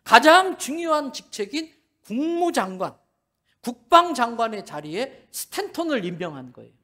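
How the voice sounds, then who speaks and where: A middle-aged male pastor delivering a Sunday sermon in a church. His pitch swings widely as he tells stories with animated humor and acts out everyday dialogue for the congregation. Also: moderate pace. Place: church sanctuary.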